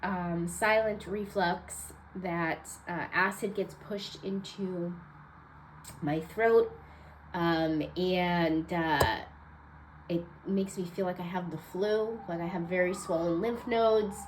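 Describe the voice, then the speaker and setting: A woman's voice: on the low side, fairly even intonation, slow pace, a little hiss or hum, poor audio. Congested, nasal woman reading cards. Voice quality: nasal, stuffed-up voice. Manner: chatty, rambling, many fillers. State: congested, low energy. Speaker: tarot card reader. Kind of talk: casual weekly card reading.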